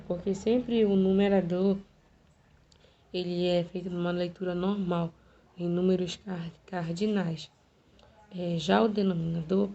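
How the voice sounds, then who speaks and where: A woman teacher with a Brazilian Portuguese accent, hoarse from a cold, giving an online math lesson in a quiet, hesitant way with many fillers. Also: on the low side, a little hiss or hum. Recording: dull lo-fi home video recording.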